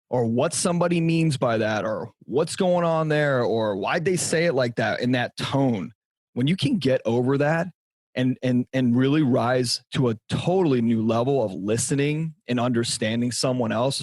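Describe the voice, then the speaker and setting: A man's voice: mid-range voice, darkish tone, no room sound. Emphatic man giving relationship coaching advice. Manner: emphatic, direct, repeats for stress. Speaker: podcast guest, coach. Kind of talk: conversational interview.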